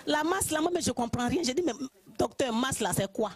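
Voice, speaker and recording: A woman from Côte d'Ivoire with an Ivorian French accent, telling her personal testimony in church in a lively way, often laughing. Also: sits high, a little fast, over a noisy crowd, very noisy. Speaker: church member giving testimony.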